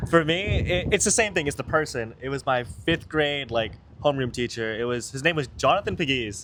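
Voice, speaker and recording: A man with an American accent, fairly high pitch, lively intonation and a fairly quick pace, over noticeable background noise. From Texas (Houston). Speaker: university student. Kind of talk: casual chat. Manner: enunciating more than usual.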